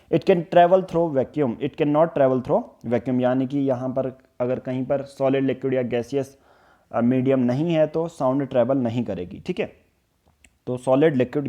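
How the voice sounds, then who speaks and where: A man with a Hindi accent teaches an exam-prep lesson, talking through each point step by step. His voice sits a little high but sounds mellow and relaxed. He slows right down whenever he reads out an English definition. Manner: mixes English phrases into explanation, repeats "ठीक है" often. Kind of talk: explaining at a whiteboard.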